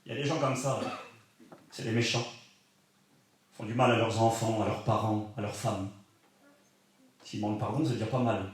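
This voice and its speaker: Animated preacher in an echoey hall. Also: male voice, lowish voice, moderate pace, pauses often, recorded from a distance. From Brittany, France. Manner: animated storytelling, swinging from hushed to loud. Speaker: pastor. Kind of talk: sermon.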